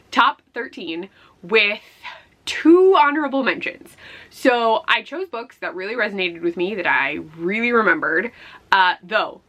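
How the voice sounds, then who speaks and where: A woman with a slightly hoarse voice chats casually like a book vlogger, rambling with self-deprecating asides. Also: medium pitch, sharp tone. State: slightly hoarse after flu. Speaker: book vlogger hosting a year-end favorites video. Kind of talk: casual chatty vlog talk.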